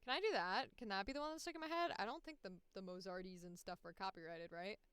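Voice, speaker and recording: A woman's voice: mid-range voice, fast, a bit bright, clean tone, dry recording. A woman thinking aloud casually as she hosts a livestream, with a sweary, playfully sarcastic manner. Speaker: voice actor hosting a livestream.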